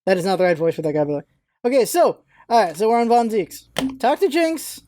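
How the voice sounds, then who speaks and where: A man's voice: sits high, lively intonation, fast, dark tone, no room sound, clean studio sound. A man hosting a game voice-through, giving casual commentary with muttered, self-questioning asides. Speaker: let's play host.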